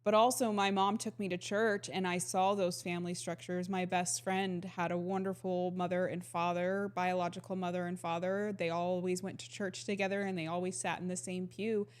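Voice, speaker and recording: Lower-voiced woman sharing earnestly. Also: flat delivery, moderate pace, hardly any pauses, clear, resonant tone. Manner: earnest, personal, with small laughs. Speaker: podcast co-host. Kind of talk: casual conversational talk.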